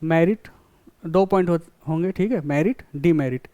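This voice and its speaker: A man lectures a college class, his voice smooth and resonant. He walks through points with everyday classroom examples and keeps asking if students follow. The sound is dry and close. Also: a little high, normal speed, warm tone, no room sound. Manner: explains with classroom examples, often checks understanding.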